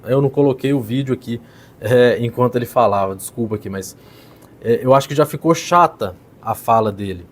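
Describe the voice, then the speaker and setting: A man, a public speaking coach, casually explaining and critiquing a politician's speech as he pauses the clip. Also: medium pitch. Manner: explanatory, pauses clips to critique, repeats "então". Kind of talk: casual video commentary.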